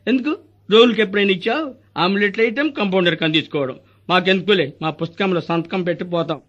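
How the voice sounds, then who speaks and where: Fast, bright, mocking man. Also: sits high, dull audio. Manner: mocking, bossy, rapid comic banter. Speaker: comic actor playing a corrupt hospital doctor. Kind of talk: comic dialogue sketch.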